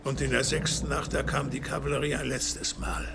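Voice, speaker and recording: An actor playing a wary, solemn old Native American man who speaks slowly and gravely in a dubbed TV drama. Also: mid-range voice, fairly even intonation, noisy background. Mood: grave, mournful. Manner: slow, grave, deliberate storytelling. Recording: music clearly underneath the voice.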